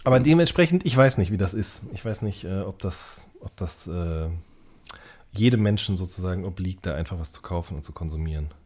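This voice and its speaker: A man's voice: low voice, lively intonation, brisk, a little mellow. A man chatting casually as a podcast co-host, often hesitating as he searches for words.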